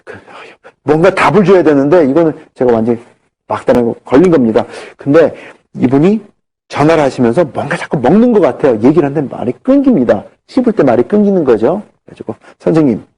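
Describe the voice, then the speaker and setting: In a health lecture, a middle-aged man talks fast in a fairly high voice with a breathy edge. His manner is animated as he tells stories and plays out their conversations.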